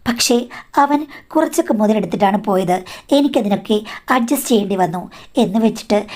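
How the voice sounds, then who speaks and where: A woman's voice: mid-range voice, animated, brisk, a little mellow. A woman narrating a first-person life story in a confiding tone, addressing her listener as madam.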